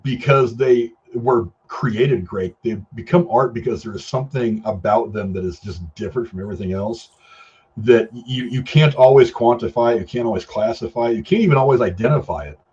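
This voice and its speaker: A middle-aged man casually giving his opinions in a film discussion, haltingly repeating and rephrasing himself for emphasis. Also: medium pitch, a little mellow, slightly rough. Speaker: film review show host. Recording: dull, lo-fi sound.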